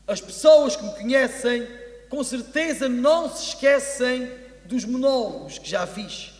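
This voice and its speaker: A man's voice: very high-pitched, expressive, unhurried, darkish tone. A man performs a rhymed comic stage monologue in a theatrical, declamatory way. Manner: theatrical, declamatory verse delivery. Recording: echoey hall with long reverb.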